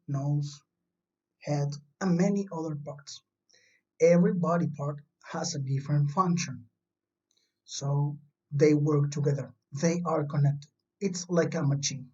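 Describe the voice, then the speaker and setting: Young children are the audience for this recorded remote lesson by a primary science teacher from Chile. Speaking slowly in a mellow, mid-range voice, the teacher explains simply and patiently and reassures the pupils; the lo-fi home audio is distant and dull.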